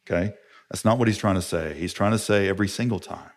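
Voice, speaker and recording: A man's voice: low-pitched, quick pace. Man preaching an earnest sermon. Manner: earnest, emphatic preaching with rhetorical questions. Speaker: pastor.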